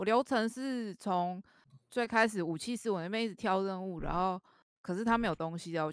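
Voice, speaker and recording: A woman's voice with ordinary pitch variation, dry and close with no echo. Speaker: online game player. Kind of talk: casual gaming chat. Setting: online voice chat during livestream. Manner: animated.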